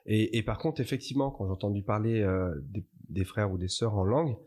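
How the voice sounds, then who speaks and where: A man's voice: on the low side, a little fast, a little mellow. A man speaking as a podcast guest, sharing personal testimony, hesitant and often repeating himself as he searches for words. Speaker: podcast guest, church member.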